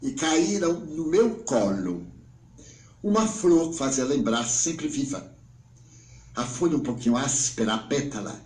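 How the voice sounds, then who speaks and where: A man's voice: medium pitch, big pitch swings, measured pace, echoey room, low-quality recording. Elderly Brazilian man telling a dramatic tale. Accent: Brazilian Portuguese. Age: 90s. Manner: dramatic, swinging between hushed and exclaiming. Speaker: spiritual speaker. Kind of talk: emotional storytelling lecture.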